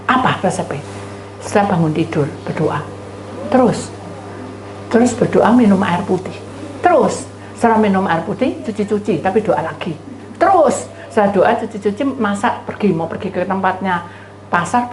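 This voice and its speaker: A middle-aged woman pastor, telling a chatty, animated story in a sermon and acting out both sides of the dialogue. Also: mid-range voice, roomy sound, a little hiss or hum. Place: church.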